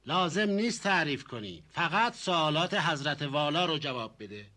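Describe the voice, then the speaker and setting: A courteous, placating family man in a TV comedy drama. His bright voice moves up and down as he soothes others. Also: a little high, big pitch swings.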